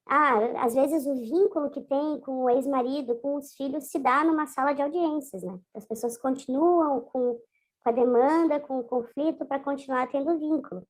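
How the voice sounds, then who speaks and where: A woman's voice: high voice, normal speed, poor audio. A woman guest in an interview, her voice altered by a voice changer, telling her story in a hesitant, conversational way with frequent restarts. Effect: voice changer disguising the voice. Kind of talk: casual recounting in a video interview.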